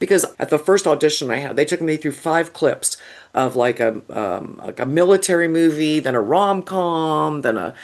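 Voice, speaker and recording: With lively intonation and a fairly low pitch, a woman talks at a moderate pace over a quiet background. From US West Coast, San Francisco Bay Area. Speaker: audio description and voiceover performer. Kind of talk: interview conversation. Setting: podcast recording.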